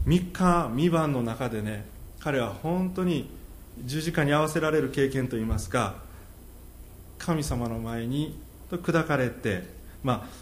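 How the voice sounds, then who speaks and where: A man with a fairly high, somewhat breathy voice at a fairly slow pace, lively intonation, long, frequent pauses and audible room echo. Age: 40s. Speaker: pastor. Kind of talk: sermon. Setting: church.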